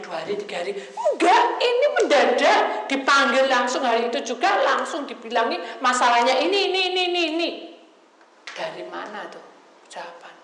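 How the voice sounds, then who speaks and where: A woman pastor, preaching a sermon with lively storytelling, calling the congregation brothers and sisters and dropping into hushed asides. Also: fairly high pitch, echoey room, a little hiss or hum, rough recording.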